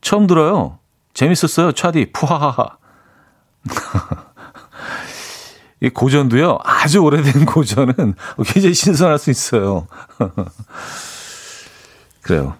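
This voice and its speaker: A man's voice: on the high side, big pitch swings, slow, pauses often, slightly rough, no echo. A man hosting a radio show in a casual, chatty way, laughing at his own jokes and reading out listener messages in a studio. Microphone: studio microphone.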